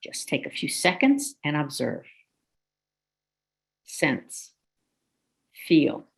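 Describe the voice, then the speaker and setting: A woman guiding a relaxation meditation in a slow, soothing, gently instructive way. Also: deep voice, very animated, creaky, breathy edge. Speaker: meditation guide.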